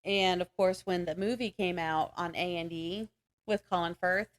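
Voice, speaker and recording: A woman's voice: on the low side, moderate pace. A woman podcast co-host chatting casually about books in a rambling, giggly way. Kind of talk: casual book chat.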